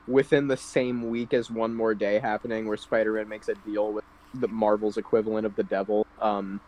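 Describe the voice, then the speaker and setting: A man's voice: fairly low pitch, level tone, fairly quick, darkish tone, low-quality recording. Rambling man telling stories casually. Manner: rambling storytelling, filler-heavy, swears. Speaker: podcast co-host. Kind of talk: casual chat.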